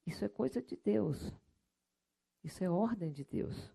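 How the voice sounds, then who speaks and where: A middle-aged Brazilian woman missionary preaching a sermon, lively and storytelling, acting out voices from her anecdotes. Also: mid-range voice, a little slow, vocal fry, slightly rough. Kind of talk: sermon with object lesson.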